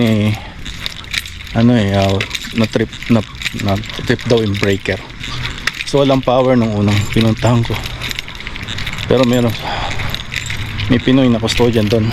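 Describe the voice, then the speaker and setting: A man with a Filipino accent chats casually for a vlog in an informal, halting way, as if thinking aloud. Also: fairly low pitch, heavy background noise. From Philippines. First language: Tagalog. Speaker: vlogger, field service technician.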